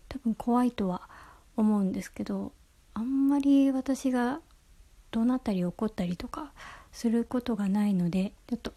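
A woman with a Hakata accent hosting a calm bedtime talk show, speaking softly and slipping into whispers. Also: mid-range voice. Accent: Hakata dialect. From Hakata, Fukuoka. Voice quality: soft, often whispered. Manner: relaxed, unhurried. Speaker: podcast host.

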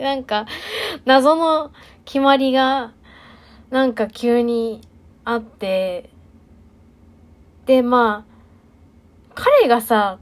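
A woman's voice: on the high side, darkish tone. A young woman hosting a solo talk show, chatting casually and self-deprecatingly with lots of fillers. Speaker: podcast host.

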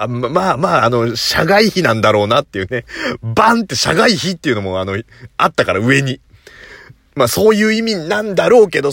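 Man, casual solo storytelling, very lively intonation, dry sound, laughs at his own jokes. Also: sits high, no echo. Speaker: podcast host. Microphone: phone app recording.

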